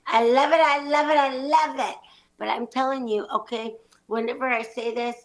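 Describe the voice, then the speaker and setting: A woman's voice: high-pitched, fairly even intonation, moderate pace. A woman improvising a boastful, competitive film star on a reality show, talking in a brash, swaggering way and swearing freely. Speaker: improv performer. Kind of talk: improvised comedy scene.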